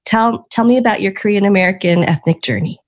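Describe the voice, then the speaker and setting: A woman's voice: medium pitch, quick pace. A woman hosting a podcast, asking her guest questions in a friendly, encouraging way. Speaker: podcast host. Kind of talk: interview questions.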